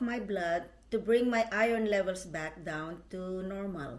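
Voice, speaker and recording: A woman with a Filipino accent speaks at a fairly slow pace. Her intonation is lively. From Philippines. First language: Tagalog and Ilocano. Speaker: vlogger. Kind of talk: reading aloud.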